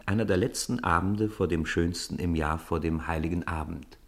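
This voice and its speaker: A man narrating a radio play as a storyteller, reading scripted prose. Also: deep voice.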